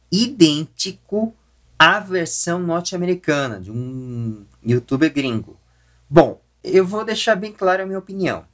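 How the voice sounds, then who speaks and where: A man with a Brazilian accent gives opinion commentary as a YouTube host, explaining in a halting way and often correcting himself. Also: medium pitch.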